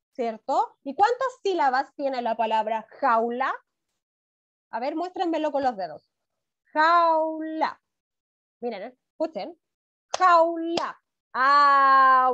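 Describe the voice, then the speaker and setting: Over dull, lo-fi video call audio, a woman with a Chilean Spanish accent teaches a first-grade class online. Her voice sits high with a fairly bright tone, and she's affectionate and encouraging with her pupils.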